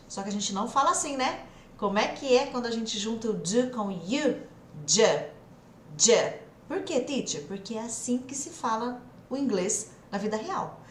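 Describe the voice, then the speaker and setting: A young Brazilian woman teaches English in a live stream, her voice a little high and full of energy. She slows down to drill phrases and pushes the audience to answer aloud. The room is echoey, with a faint hiss behind her. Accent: Brazilian Portuguese. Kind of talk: live online English lesson.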